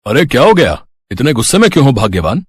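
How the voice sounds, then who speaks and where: A man's voice: mid-range voice, very animated, fast, slightly rough. A man voicing an easygoing, teasing middle-aged father and husband in a storybook tale. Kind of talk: storybook voice acting.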